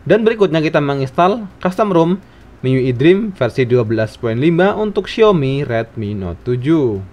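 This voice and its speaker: A man's voice: fairly high pitch, big pitch swings, moderate pace, darkish tone. A man narrating a scripted tech tutorial, giving instructions phrase by phrase.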